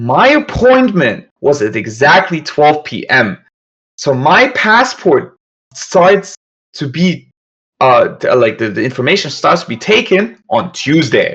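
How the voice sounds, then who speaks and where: Here a man talks at a very slow pace. His high pitch makes very wide swings. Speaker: competitive video game player. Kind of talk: casual chat. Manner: animated storytelling.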